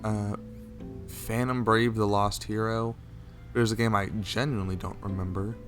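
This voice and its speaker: A man co-hosting a casual chat, going through a list of games in a relaxed, offhand way with filler words. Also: lowish voice, moderate pace, soft background music. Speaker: co-host. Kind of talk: casual chat, game news rundown.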